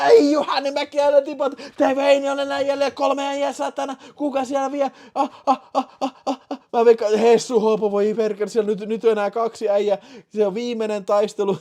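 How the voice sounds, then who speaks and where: A high-pitched man hosting a livestream, swearing constantly and shouting as he calls out names. His voice is strained and giving out from all the yelling. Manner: tired, winding down. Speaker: livestream host. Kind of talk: livestream chat.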